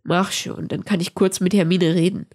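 A woman's voice: fairly low pitch, flat delivery, normal speed, darkish tone. Harry, read by a woman, easygoing and casual. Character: young man, easygoing and warm to kids.

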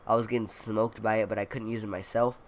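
A man's voice: fairly low pitch, level tone, fast, a little hiss or hum. A young man with a stuffy, congested voice and a cough, rambling casually over his gameplay commentary with lots of fillers and playful boasting. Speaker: gaming video creator.

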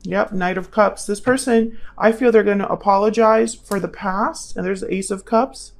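Speaking at normal speed in a mid-range voice with fairly even intonation, a tarot reader who hosts her own channel thinks aloud during a casual reading. She talks straight to the listener conversationally, with gravelly vocal fry.

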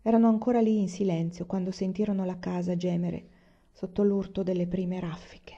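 A woman narrating a novel aloud as an audiobook reader, steady and expressive. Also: lowish voice, normal speed, lo-fi sound. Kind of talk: scripted narration.

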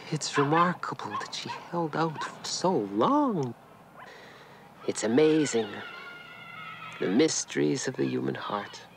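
A man's voice: medium pitch, sing-song, slow pace, vocal fry, pauses often, background noise, heavily acted. A man voicing a pompous, florid, philosophizing family doctor in a cartoon. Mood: marvelling.

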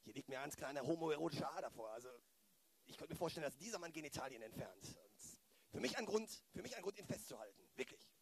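A man playing a young police detective in an improvised comic audio drama, mannered, halting and repeating words. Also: on the high side, expressive, vocal fry, a crowd in the background. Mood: pompous suspicion. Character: affected, squeamish young male police detective.

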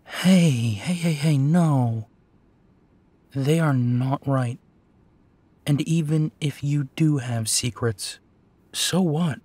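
An actor playing a gentle, protective male werewolf detective in an intimate audio roleplay, speaking softly and earnestly, with reassuring pauses. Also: on the high side, breathy edge, dry recording. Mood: tender, reassuring. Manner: slow, soft, reassuring, with pauses and sighs. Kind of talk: intimate second-person audio drama roleplay.

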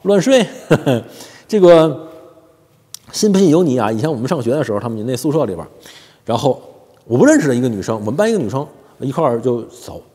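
Here the host has a mid-range, breathy-edged voice, talking fairly quickly but pausing often. It's a casual, jokey commentary monologue with lots of laughter and stammered repeats, captured on a lapel mic with long hall reverb.

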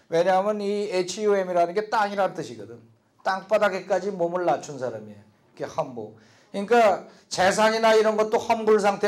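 A man teaching a lecture class, explaining quickly between slow, repeated English drill phrases. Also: high-pitched.

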